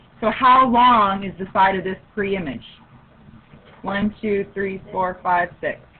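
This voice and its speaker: Over noticeable background noise, a woman with a medium pitch speaks at a very slow pace with ordinary pitch variation. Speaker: math teacher. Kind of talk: classroom lesson. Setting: classroom with students.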